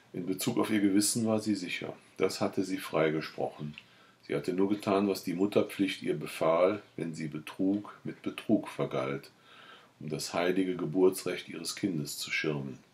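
A man speaks with a very deep, low pitch and ordinary pitch variation. His pace is moderate. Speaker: amateur reader. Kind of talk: audiobook reading aloud of a literary novel. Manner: measured, steady narrator pace, formal literary delivery. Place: home room. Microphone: webcam.

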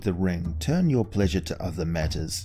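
A menacing, raspy put-on character voice. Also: man. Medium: read story. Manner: venomous, menacing.

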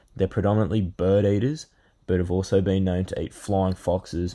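A man with a very deep, low pitch, a dark, mellow tone, fairly even intonation and an Australian accent, at a moderate pace. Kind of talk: outdoor vlog narration. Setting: outdoors. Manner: casual. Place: open country. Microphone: phone near.

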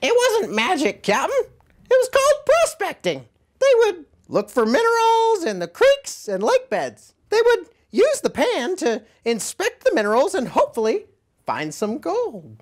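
A squeaky, cartoonish character voice at an extremely high pitch and a moderate pace. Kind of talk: children's show character dialogue. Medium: puppet show. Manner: excitable, chirpy. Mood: knowledgeable, cheerful.

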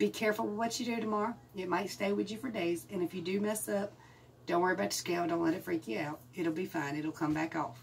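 Her pitch is fairly low for a woman, yet it swings very widely as she speaks at a very fast pace. Light background noise runs underneath. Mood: playful, joking. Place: home room.

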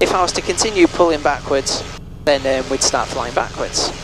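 With music in the background, a man speaks at a moderate pace and with lively intonation. The sound is dry with no echo. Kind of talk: tutorial. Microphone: headset.

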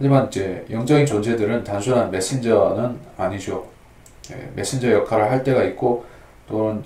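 In audible room echo, a man with a medium pitch and a dark, mellow, somewhat breathy tone speaks at a moderate pace with ordinary pitch variation. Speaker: Bible teacher. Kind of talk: lecture. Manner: halting.

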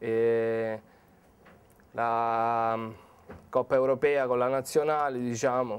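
Very slow delivery from a man, his intonation fairly even. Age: 30s. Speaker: futsal goalkeeper; guest. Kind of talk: interview at a lunch table. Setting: restaurant. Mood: relaxed, reminiscing. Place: cafe. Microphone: lapel.

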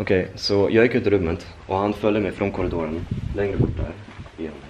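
A man speaks at a moderate pace while noticeable background noise runs underneath. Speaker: vlogger. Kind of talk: casual vlog chat. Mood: shaken but joking.

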